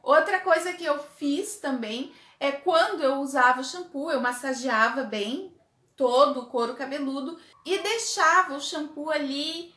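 Chatty woman, high voice. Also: a little slow. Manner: chatty and animated, gestures a lot while talking. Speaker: beauty vlogger. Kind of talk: casual product review to camera. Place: small indoor room with makeup table. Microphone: camera at desk distance. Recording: echoey small room.

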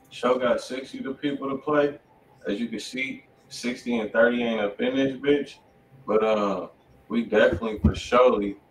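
A man's voice: mid-range voice, slight background noise. A man hosting a live music-review stream from a home studio, laid-back and joking in heavy slang. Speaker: host. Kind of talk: casual live-stream chat. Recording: roomy, from far off the mic.

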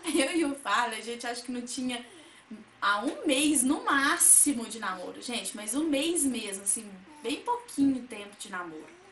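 A woman's voice: fairly high pitch, expressive, normal speed. A young woman telling funny personal stories in a casual vlog, often calling out to her viewers. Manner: chatty, addresses viewers as "gente", acts out quotes loudly. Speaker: vlogger. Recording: echoey room, faint ambience.

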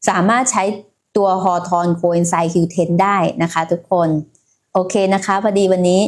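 A woman's voice: fairly low pitch, steady tone, takes it slowly. A woman hosting a casual health livestream, talking in a chatty way and speaking straight to her viewers. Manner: chatty, many fillers, addresses viewers directly.

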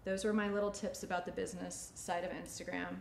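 Here a salon owner in her forties speaks fast in a fairly low, creaky voice with a level tone, chatting informally as she teaches during a demonstration. Faint ambient noise carries through the echoey indoor studio with its white backdrop.

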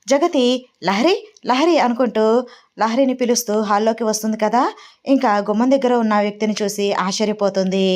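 Woman storyteller, steady narration, mid-pitched. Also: fairly quick. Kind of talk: scripted narration of a family drama story.

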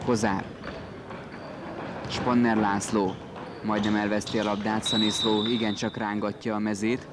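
A man's voice: on the low side, little pitch movement, pauses often. A man giving live match commentary on indoor football, terse and calling out players' names play by play. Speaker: sports commentator. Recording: noisy gym recording, ball bounces behind. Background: indoor sports hall with bouncing ball.

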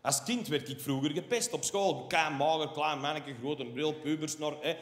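A man's voice: a little high, normal speed. A Flemish man doing stand-up comedy, ranting and sarcastic, tagging his lines with a questioning "hè". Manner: ranting, animated, sarcastic asides with tag "hè". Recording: roomy hall reverb from a live stage.

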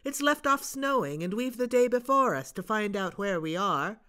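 A woman's voice: mid-range voice, lively intonation, normal speed, pushed and bright, pitched above the performer's own voice. A woman reading aloud and voicing a bold, cheerful young boy who talks eagerly and exclaims. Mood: excited.

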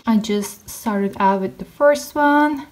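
A young woman whose first language is Turkish, speaking English in a relaxed, casual vlog voice-over. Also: fairly high pitch, slow pace. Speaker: vlogger.

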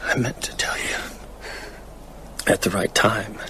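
Low-voiced, brooding man. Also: steady tone, unhurried, bright, forceful tone, whispered. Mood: subdued grief. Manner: hesitant, understated. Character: brooding, restless widowed man, reserved. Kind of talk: radio drama acting.

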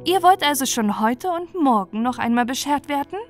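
Woman as storybook aunt, kind, sensible, gentle, instructive, fairly high-pitched. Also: lively intonation, normal speed, soft background music. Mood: gently chiding. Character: kind, sensible aunt explaining things to children.

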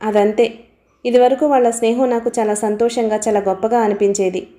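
Woman reading lovestruck young man, earnest, pleading, mellow, fairly high. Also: fairly even intonation, a little fast, natural voice. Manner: eager, devoted, pleading.

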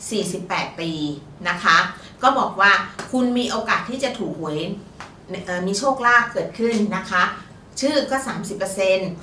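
With a sharp tone and animated delivery at a moderate pace, a woman in a mid-range voice acts as fortune teller co-host on a fortune-telling show. Her talk about lottery tips is casual, polite and chatty, heavy on particles. The audio is roomy and faintly noisy, from a distant mic.

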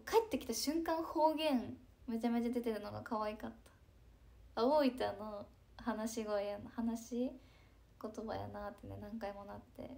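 A young woman, chatting casually on a live stream, breezy and talkative with soft asides. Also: mid-range voice, gravelly. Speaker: idol livestreamer reading chat comments.

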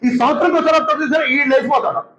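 Imam guy preaching, really high voice, lots of echo, acts out people he talks about. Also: racing, dull audio. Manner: animated, mimics congregants in asides. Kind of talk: sermon.

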